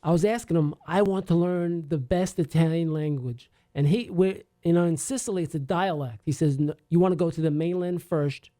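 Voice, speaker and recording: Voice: mid-range voice, a little fast, hardly any pauses, warm tone. A radio co-host in an interview who is joking and encouraging with the guests.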